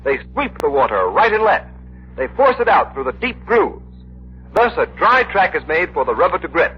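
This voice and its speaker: A man announcing on 1930s radio, speaking persuasively and emphatically in a lively, rather high voice. The sound is dull, like an old broadcast. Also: moderate pace, a little hiss or hum.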